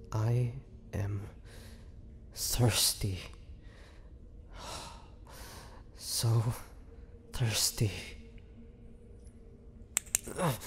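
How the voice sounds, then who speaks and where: A man playing a weary, brooding ancient vampire in a dramatic audio roleplay, speaking haltingly with a low, gravelly voice. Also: full character voice. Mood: weary, thirsty. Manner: slow, halting, brooding delivery with pauses. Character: weary, imprisoned ancient male vampire, groggy and menacing. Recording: long cavernous reverb, background noise.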